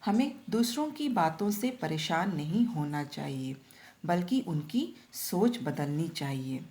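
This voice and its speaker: A woman teacher voicing a loving mother who consoles her daughter in a storybook reading, speaking gently and affectionately. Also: sits low, very animated, slow pace, exaggerated voice. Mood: tender, coaxing. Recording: echoey room.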